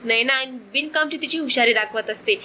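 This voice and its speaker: High, bright female recap narrator. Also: fairly quick, a little hiss or hum. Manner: chatty, sympathetic asides. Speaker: narrator of a serial episode recap. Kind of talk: storytelling narration.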